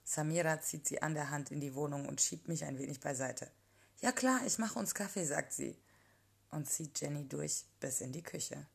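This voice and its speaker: A woman narrating a first-person erotic story in a calm, intimate storytelling manner. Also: sits low, moderate pace, vocal fry, breathy edge.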